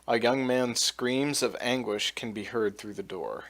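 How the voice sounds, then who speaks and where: A man running a tabletop game as dungeon master, narrating scenes in a slow, measured way. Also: medium pitch, fairly bright tone.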